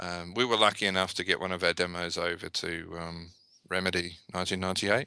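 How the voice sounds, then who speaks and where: The man's tone is bright and sharp, and his intonation stays monotone and flat. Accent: Australian. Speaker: computer enthusiast, former demo scene musician. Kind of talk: casual interview. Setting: remote call.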